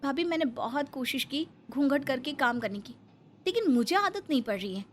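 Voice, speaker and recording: A woman's voice: high voice, animated, normal speed, a little hiss or hum. A woman voicing an outspoken young daughter-in-law in a cartoon, pleading and defiant.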